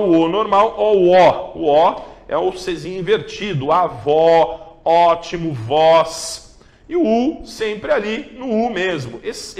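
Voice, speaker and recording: A man teaching an exam-prep lesson on TV in a playful, coaxing way, calling students sweet pet names and checking in often. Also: a little high. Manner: repeats checks like "ok?" and "beleza?".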